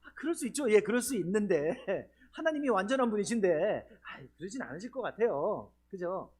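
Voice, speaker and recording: Pastor guy w preaching in church, high voice that jumps all over, keeps throwing questions at the crowd. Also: fairly quick, husky. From Chungcheong region, Korea. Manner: lively preaching with rhetorical questions to the congregation. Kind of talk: sermon at a healing seminar. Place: church sanctuary.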